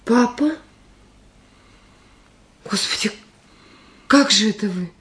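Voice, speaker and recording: An actress playing a welcoming, solicitous grown daughter in a radio drama, homely and given to exclaiming. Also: female voice, mid-range voice, slow pace, lightly acted. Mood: surprised, joyful. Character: welcoming, fussing grown daughter, simple shop worker. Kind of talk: naturalistic stage-style radio drama acting.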